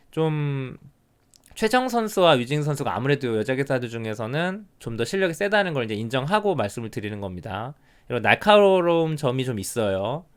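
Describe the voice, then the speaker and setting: A middle-aged man commentating live on an online Go game. He mutters counts of territory quietly, then breaks out in lively surprised remarks. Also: medium pitch, clear, resonant tone. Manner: counts territory under his breath, then exclaims at turns.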